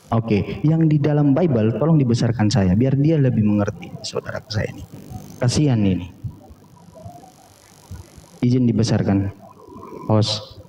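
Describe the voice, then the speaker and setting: A man's voice: mid-range voice, unhurried, pauses often, mellow. A man in a heated live debate, insistent and hectoring, often repeating himself. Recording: echoey, dull lo-fi stream with faint noise.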